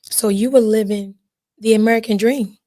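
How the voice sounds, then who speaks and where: A woman's voice: a little high, fairly even intonation, moderate pace, mellow. A woman co-hosting a podcast interview, asking the guest about his background. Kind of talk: casual interview.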